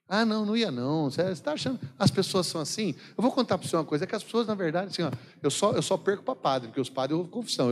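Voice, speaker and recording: A man's voice: on the high side, slightly rough. A man from São Paulo state with a Brazilian accent, preaching a sermon as a missionary, telling jokey stories and acting out the dialogue. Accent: Brazilian Portuguese, São Paulo. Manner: jokey storytelling, acts out quoted dialogue, laughs often. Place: large church hall. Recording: long church hall reverb.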